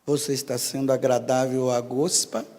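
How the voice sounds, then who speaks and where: A man from Brazil, a Catholic priest preaching a sermon, telling humorous anecdotes with dramatic pauses and sudden exclamations. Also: medium pitch, flat delivery, mellow. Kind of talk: sermon with storytelling. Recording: long reverb of a large hall.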